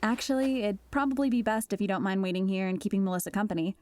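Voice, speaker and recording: A woman's voice: medium pitch, fast talker, a little mellow, slight background noise, lightly acted. A woman acting in an audio drama as a friendly, sheltered young gamer with a casual, wry manner. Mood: casual, reassuring. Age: young adult.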